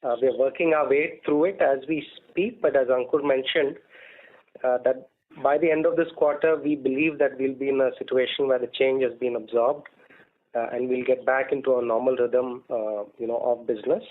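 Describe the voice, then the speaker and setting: A man speaks as a company executive answering questions on a conference call. His voice sits at a middle pitch and his phrasing is measured and full of verbal padding. The line is thin and phone-like. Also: steady tone. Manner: hesitant, measured corporate phrasing with frequent "you know". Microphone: telephone conference call.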